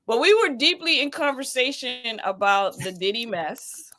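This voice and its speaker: A woman in her late forties hosts a relaxed live show with a forceful, bright tone. She sits a little higher than most women and tells her stories with emphatic, colloquial asides. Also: moderate pace. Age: 40s. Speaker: podcast host. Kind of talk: casual livestream chat.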